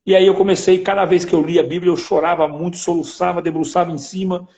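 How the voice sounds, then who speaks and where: A man, an interviewed preacher sharing his testimony in lively storytelling, acting out other voices with emphasis. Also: high voice, quick pace, creaky, lo-fi sound.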